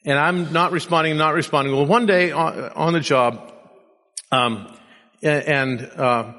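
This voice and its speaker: A man's voice: on the high side, unhurried, pushed and bright, long reverb tail. A man preaching a sermon and telling personal stories with self-deprecating humor, saying he is sleep deprived. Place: church.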